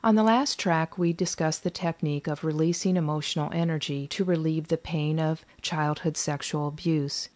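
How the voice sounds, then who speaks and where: Woman, therapist, low voice, soft and measured instructional narration. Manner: calm, soft-spoken, measured.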